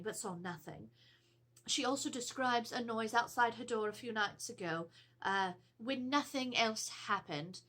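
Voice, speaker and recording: Anxious period wife actress, dramatic letter reading, high and very lively voice, formal and theatrical. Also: female voice, full character voice. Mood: uneasy. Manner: theatrical, expressive, formal storytelling. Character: anxious, genteel Edwardian married lady reporting a haunting. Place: indoors, seated before a draped backdrop.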